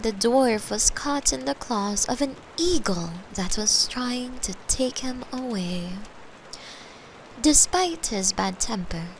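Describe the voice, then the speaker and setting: A woman playing a caring, gently teasing girlfriend, telling a soft bedtime story with unhurried delivery and playful asides. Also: mid-range voice, a little hiss or hum, poor audio. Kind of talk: soft bedtime storytelling, sleep-aid roleplay.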